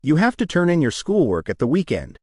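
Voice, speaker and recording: A man's voice: on the high side, huge pitch swings, a little fast, a little mellow, no room sound, clean studio sound. A man reading scripted practice sentences for dictation, with careful enunciation. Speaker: test practice sentence reader.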